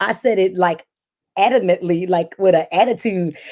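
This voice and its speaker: In a plain, everyday voice, a woman speaks at a fairly slow pace with lively intonation. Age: 40s. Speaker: business guest. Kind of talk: interview. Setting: call.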